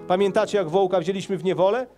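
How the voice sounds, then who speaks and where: A man's voice: high-pitched, fast talker, warm tone, soft background music, pitched above the performer's own voice, lightly acted. A man voicing a fiery, vengeful old male servant of the nobility, giving an impassioned speech to rouse a crowd, as part of a dramatic poetry reading. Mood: fiery, rousing. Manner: impassioned rabble-rousing oratory.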